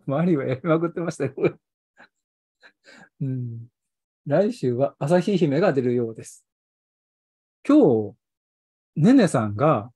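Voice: mid-range voice, warm tone, slightly rough, no echo, clean studio sound. A history channel host with a Kansai accent, chatting casually on a livestream, rambling and chuckling often.

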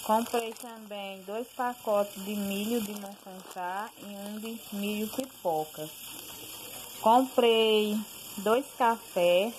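Woman vlogger, unhurried home voice-over, plain listing delivery, noisy kitchen phone audio. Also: medium pitch, steady tone. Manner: slow, plain listing with fillers. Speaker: home cooking and grocery vlogger. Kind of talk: casual voice-over listing groceries. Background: pressure cooker hissing.

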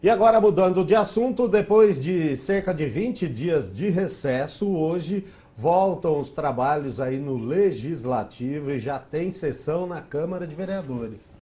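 Mellow Brazilian male news anchor. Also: fairly high pitch, lively intonation, unhurried. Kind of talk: news presenting. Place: TV news studio.

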